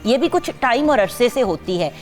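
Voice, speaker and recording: A young adult woman hosting a morning talk show, chatty and quick with asides, mixing English into her speech. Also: on the high side, very animated, soft background music. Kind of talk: casual chat.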